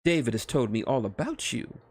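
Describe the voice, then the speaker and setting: A man's voice: mid-range voice, lively intonation, fairly quick, slightly rough, no room sound. A man voicing a tall, suave, gracious female witch in a fan fiction reading.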